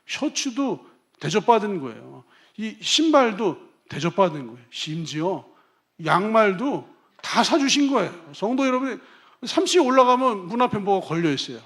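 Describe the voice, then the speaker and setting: Male pastor, middle-aged, high-pitched, emphatic sermon delivery shifting between quiet and forceful. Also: creaky. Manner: emphatic preaching, swinging from soft to loud.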